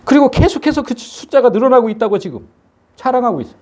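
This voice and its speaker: Male pastor, sermon, lively swinging pitch, mellow husky tone, emphatic rhetorical questions. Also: quick pace.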